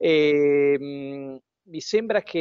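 A man speaks with a normal speaking voice at a fairly high pitch, with ordinary variation in it. The background is quiet, and the sound is dry with no echo. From Trieste, Italy; Italy. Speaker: European Parliament staffer; remote TV guest. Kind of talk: interview; interview answer. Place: office. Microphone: earbuds.

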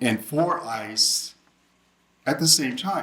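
Speaking at a very slow pace, a man uses lively intonation. His pitch is fairly high. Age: 60s. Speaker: public commenter at town council. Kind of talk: public comment speech. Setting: town council meeting. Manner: impassioned.

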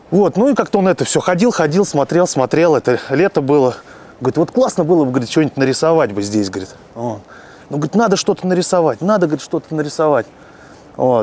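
A man speaks with very wide pitch swings. The sound is dry with no echo, over light background noise. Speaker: local resident. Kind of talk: casual interview. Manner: halting. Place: street.

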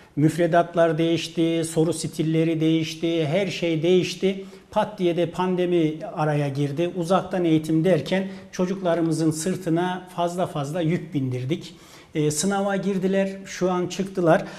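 A man speaks at a fairly slow pace in a high voice, his intonation flat and monotone. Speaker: guest. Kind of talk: interview answer. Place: studio. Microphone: lapel.

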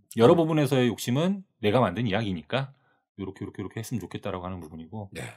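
A man with a fairly low pitch talks at a very fast pace. His pitch swings very widely, and his loudness rises and falls sharply. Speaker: webtoon artist. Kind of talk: interview.

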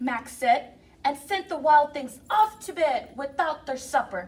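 A woman speaks very slowly in a warm tone at a high pitch. Her pitch swings very widely. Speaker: preschool teacher reading a story. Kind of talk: storybook reading aloud to young children. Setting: video recording with book pictures shown on screen. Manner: friendly, warm, slow and clear for kids. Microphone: phone near.

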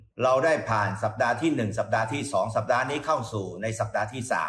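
A somewhat breathy man's voice with ordinary pitch variation and audible room echo. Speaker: speaker. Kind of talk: sermon. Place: studio.

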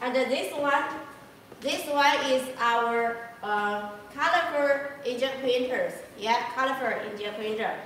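Speech comes at a very slow pace in a Chinese accent, with ordinary pitch variation. Audible room echo and light background noise are present. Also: woman, high pitch for a woman. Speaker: sales manager. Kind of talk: product demonstration. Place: factory. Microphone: camera far.

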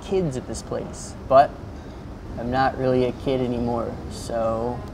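A man's fairly slow, fairly even-toned speech over noticeable background noise. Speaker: web series host. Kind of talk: casual comedic host chat. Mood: playful, deadpan. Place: office.

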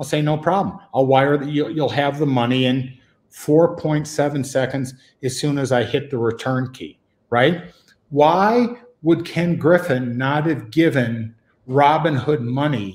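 In a room with audible echo, a man with a fairly high, somewhat breathy voice speaks at a fairly slow pace with ordinary pitch variation. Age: 60s. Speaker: veteran stock trader. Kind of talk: interview. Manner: animated. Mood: indignant, emphatic. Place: home room. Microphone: video call.

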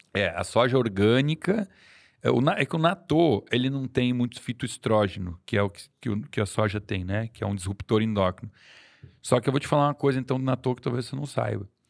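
A man's medium-pitched voice with lively intonation at a fairly quick pace against a quiet background. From southern Brazil, Caxias do Sul; Rio Grande do Sul, Brazil. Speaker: podcast host, doctor; podcast host. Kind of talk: casual chat; interview conversation. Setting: studio. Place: studio. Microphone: studio mic.

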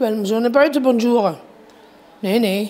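Fairly even intonation marks a woman's high-pitched voice. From Heerlen, Netherlands. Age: 70s. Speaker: hairdresser. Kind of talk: interview answer. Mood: indignant, animated retelling. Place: shop. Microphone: lapel.

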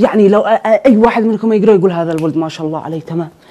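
The man's voice shows ordinary pitch variation. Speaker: stand-up comedian. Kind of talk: comedy monologue. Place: studio. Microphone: lapel.

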